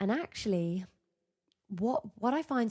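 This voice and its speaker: The speaker has an animated tone and lively intonation. The voice is somewhat breathy, at a moderate pace. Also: woman. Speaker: sales coach podcast host. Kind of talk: solo podcast monologue.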